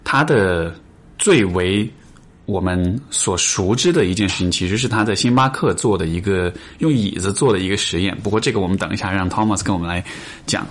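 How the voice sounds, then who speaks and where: A man's voice: low voice, a little fast. A man hosting a casual interview show, thinking aloud and repeating phrases as he goes. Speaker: podcast host.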